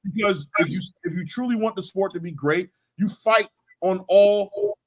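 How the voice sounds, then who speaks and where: Higher-voiced man talking boxing, emphatic. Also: normal speed, poor audio. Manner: emphatic, repeats words for emphasis, slangy. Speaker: host of a boxing channel. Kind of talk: animated casual sports talk and opinion.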